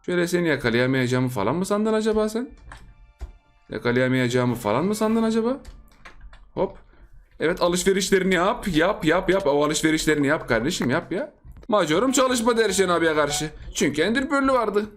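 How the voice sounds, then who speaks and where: A young man with a slightly high voice that swings widely in pitch, talking through a match in a joking, teasing way. He laughs often and keeps up playful gameplay commentary as a gaming YouTuber, with faint music under him. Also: lively intonation, fairly quick.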